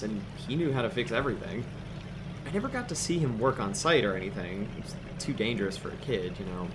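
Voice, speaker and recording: An actor playing a modest, practical young mechanic in a naturalistic audio drama. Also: male voice, mid-range voice, natural voice. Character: modest, practical young man, small-town boat mechanic. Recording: boat and water noise behind voice.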